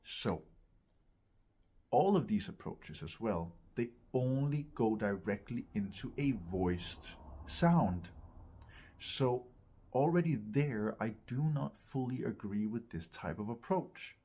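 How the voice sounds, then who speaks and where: A man with a husky voice teaching as a vocal coach, speaking in hesitant, searching phrases with emphatic repeats. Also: mid-range voice, expressive, slow, mellow. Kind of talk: instructional talk to camera.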